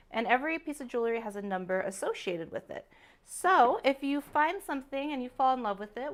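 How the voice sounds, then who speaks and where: A woman hosting a live-streamed jewelry sale, chatty and upbeat, greeting viewers by name, her voice a little raspy from a sore throat. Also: fairly high pitch. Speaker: jewelry show host. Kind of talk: live-stream sales chat.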